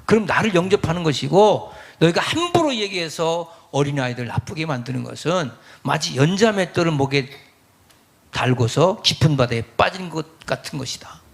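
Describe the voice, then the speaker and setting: A middle-aged man preaching a sermon as pastor, lively, acting out quoted voices of parents and churchgoers. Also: a little high, normal speed, gravelly.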